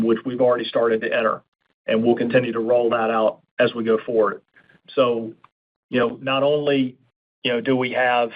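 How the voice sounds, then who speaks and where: A man speaking as a company executive, answering questions off the cuff in a conversational way with repeated words. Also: medium pitch. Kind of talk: earnings call Q&A, unscripted. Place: conference call. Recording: narrow tinny phone-line sound.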